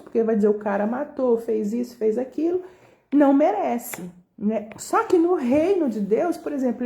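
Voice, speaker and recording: A woman's voice: fairly high pitch, warm tone. A woman with a Brazilian Portuguese accent explaining a Bible chapter in an informal, conversational way, often checking in with her listeners. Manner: conversational, asks listeners "entende?". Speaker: Bible study leader.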